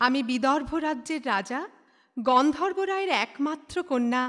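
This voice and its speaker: A woman voicing a grateful young princess in a cartoon, speaking gently and formally. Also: sits high, animated, normal speed, in a large hall.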